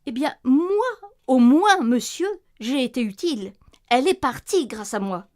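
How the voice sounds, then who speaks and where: An actress playing an anxious, insistent wife in a radio play, fretting over noises at night. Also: female voice, high-pitched, big pitch swings, measured pace, a little mellow. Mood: fretful, nagging. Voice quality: insistent, fretful. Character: anxious, insistent wife, worried, sharp-tongued.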